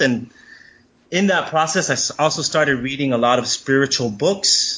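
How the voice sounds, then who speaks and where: Speaking at a fairly slow pace, a man with an American accent keeps a medium pitch. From US South. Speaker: author. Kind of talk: interview. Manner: animated.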